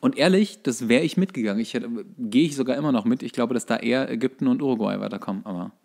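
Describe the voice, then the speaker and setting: Gravelly-voiced young man chatting casually. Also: mid-range voice, fast, a little mellow. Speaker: podcast co-host. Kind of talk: casual banter between friends.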